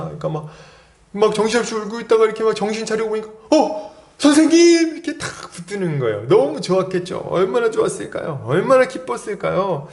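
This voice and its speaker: A pastor with a fairly high male voice preaches, leaning into the story and playing out each quoted line. He throws questions to his listeners as he goes. The room around him rings with echo. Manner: storytelling, acting out quoted lines, asks the congregation questions. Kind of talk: expository sermon.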